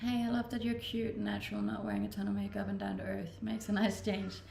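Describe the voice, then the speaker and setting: A woman's voice: medium pitch, sing-song, quick pace, gravelly, a little mellow, roomy sound, slight background noise. A woman from Denmark with a Danish accent, chatting casually on a live stream as she reads out viewer comments and answers them, laughing often. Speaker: Twitch streamer.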